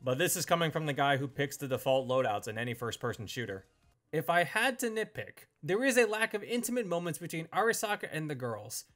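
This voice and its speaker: A man's voice: on the high side, sing-song, fairly quick, fairly bright tone, soft background music. A young man reading a scripted review as the host of a video.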